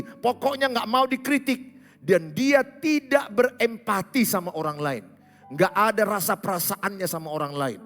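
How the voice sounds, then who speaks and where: A man preaching a sermon, jumping between loud, high exclamations and soft, low asides in short punchy phrases. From Indonesia. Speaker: pastor. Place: large church hall. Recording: reverberant church hall with faint music.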